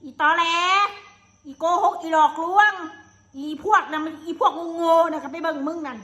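A woman's voice: very high-pitched, fairly even intonation, normal speed, fairly bright tone. A woman with a Lao accent, live streaming alone and angrily cursing and hurling insults. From Laos. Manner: angry, cursing, insulting tirade. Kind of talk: solo live-stream rant.

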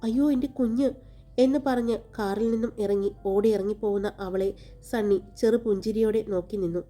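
A woman narrating a romantic audiobook story in a calm, even way. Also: medium pitch, fairly quick. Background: faint background music.

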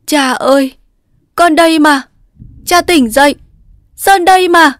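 Audiobook role: a woman playing a tearful little girl with shrill, sobbing cries. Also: normal speed, dry recording, natural voice. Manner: high cries. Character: small young girl, frantic and tearful.

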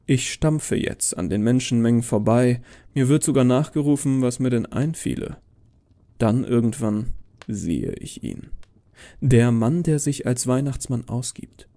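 A male narrator of horror fiction with a dark, relaxed timbre. His pitch moves expressively through the dramatic first-person telling. There is a creaky, gravelly edge to his voice. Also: measured pace.

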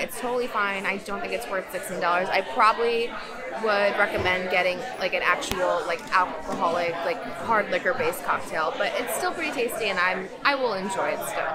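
A woman's voice: medium pitch, normal speed. A young woman in her twenties vlogging a frank, casual food review on a phone held at arm's length, talking with lots of fillers. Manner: chatty, frank, many fillers. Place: busy hotel lounge bar, indoors. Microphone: handheld phone camera at arm's length. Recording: phone video in a noisy bar. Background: loud crowd chatter.

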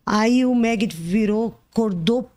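A woman, a podcast guest, telling a personal story in an animated way, often repeating herself and restarting sentences. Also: a little high, slow pace. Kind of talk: storytelling anecdote.

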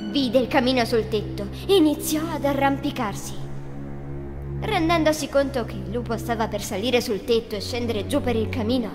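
High-voiced woman telling a fairy tale. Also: normal speed. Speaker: storyteller. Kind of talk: scripted children's fairy tale narration. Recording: music behind the voice.

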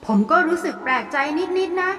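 A woman's voice: extremely high pitch, lively intonation, brisk, over music. A woman voicing a kind, earnest young son of a poor mother in a cartoon story. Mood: curious. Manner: polite, earnest.

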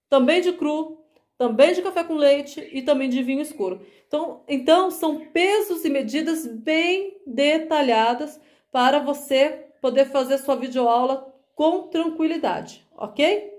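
A woman crochet vlogger from Brazil, chatting affectionately at home as she shows her work to viewers. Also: sits high. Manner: affectionate, chatty, calls viewers "meus amores" and "gente". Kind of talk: casual show-and-tell vlog.

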